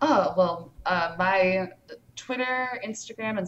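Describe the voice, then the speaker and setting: Noticeable background noise surrounds a woman talking at a medium pitch. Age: 20s. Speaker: model and adult performer. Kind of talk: casual chat.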